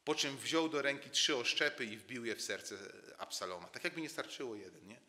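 In a large church hall, a man preaches a sermon, telling the story dramatically as he drops to a near-murmur and rises again, often repeating words to build a point. His mid-range voice is a little fast and sharp in tone.

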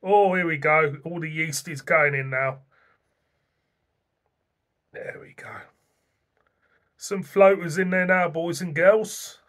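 A middle-aged man talks through a tasting in a loose, chatty way. His voice sits a little high for a man. He is recorded on a desk camera in a small room at home. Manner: chatty, rambling, plain-spoken. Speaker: beer reviewer. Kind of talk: casual beer-tasting review to camera.

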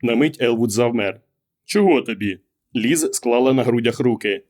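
A man narrating a short story as an audiobook in a calm, measured way. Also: mid-range voice. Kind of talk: scripted narration.

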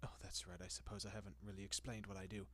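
Performed by a man, this centuries-old vampire has a rather low, husky voice and a flat delivery. He is courteous and cultured, gently coaxing between long pauses; the roleplay-style tone is doting and possessive, while his mood comes across as composed and confiding.

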